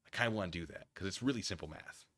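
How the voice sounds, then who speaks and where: A man's voice: deep voice, very fast, a bit bright, dry recording. A man hosting a livestream in casual chat, rambling wryly as he reads and answers viewers and acts out imagined exchanges.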